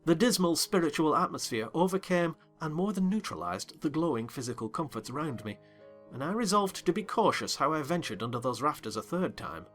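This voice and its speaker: A man narrating a dramatized audiobook reading in an expressive, wry manner. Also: fairly high pitch, a little fast, faint music behind.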